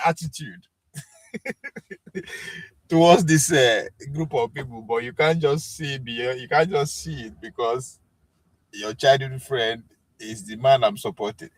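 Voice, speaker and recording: A man's voice: mid-range voice, no room sound, low-quality recording. A man with a Nigerian accent hosting a live stream, chatting with commenters in a rambling, self-assured way with many fillers. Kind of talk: casual chat with chat commenters.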